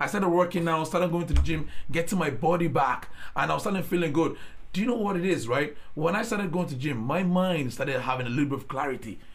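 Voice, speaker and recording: With noticeable background noise and audible room echo, a man speaks at a very fast pace in a high pitch. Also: ordinary pitch variation. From Nigeria. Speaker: podcast co-host. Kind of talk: casual chat.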